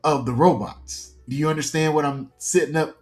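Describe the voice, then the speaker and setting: A little high but steady, at normal speed with faint music behind, this man in his early forties is a fiction podcast creator on a conversational interview. He responds earnestly and reflectively, going into long explanations.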